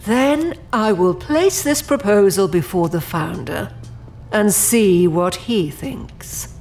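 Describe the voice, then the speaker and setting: A woman playing a diplomatic noblewoman who presides over an otherworldly board in an audio drama, speaking formally and with measured care. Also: mid-range voice, animated, a little mellow. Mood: gracious, composed. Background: music.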